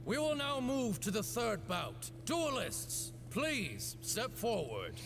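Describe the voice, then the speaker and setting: A gravelly ceremonial referee. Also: male voice, extremely high pitch, wildly swooping pitch, slow, heavily acted. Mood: formal. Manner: ceremonial, announcing. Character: formal male duel referee. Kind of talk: game voice acting. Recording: game audio over music.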